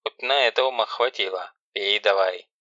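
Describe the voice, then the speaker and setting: A man voicing a stern, sarcastic older sister who gives loud, harsh commands. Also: lowish voice, moderate pace, no room sound. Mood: harsh commanding. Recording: dull lo-fi recording.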